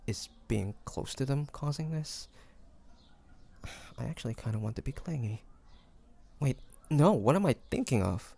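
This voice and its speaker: Male actor as lovestruck awkward hunter, creaky voice, unhurried, stammering, muttering to himself, romantic audio drama. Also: medium pitch, mellow. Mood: flustered, conflicted. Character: flustered young male demon hunter, secretly smitten and awkward. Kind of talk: romantic audio roleplay acting.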